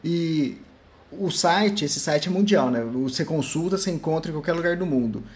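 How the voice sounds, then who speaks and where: Curious interviewer, mid-pitched voice. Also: normal speed, darkish tone. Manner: curious, brief replies. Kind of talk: casual interview.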